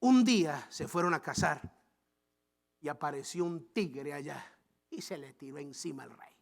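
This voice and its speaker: Male pastor delivering a sermon; shifts between hushed low asides and loud, high-pitched acted outbursts. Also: lively intonation, normal speed, gravelly. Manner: repeats phrases for emphasis, with small restarts.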